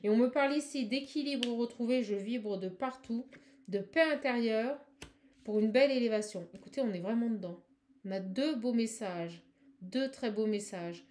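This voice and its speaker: A woman giving a spiritual card reading to viewers. She talks fast and effusively, with many exclamations, and addresses the listener directly. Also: a little high, a little mellow. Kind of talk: live tarot-style channeling reading.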